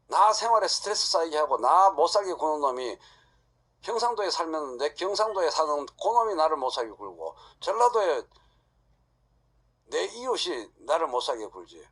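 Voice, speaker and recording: A man's voice: a little high, fairly bright tone, slightly rough. A middle-aged man lecturing an audience, blunt and full of rhetorical questions.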